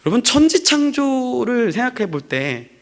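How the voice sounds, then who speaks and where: A man's voice: extremely high pitch, sing-song, moderate pace. A man preaching a sermon as a pastor to his congregation in church, in a conversational way with rhetorical questions. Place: church sanctuary.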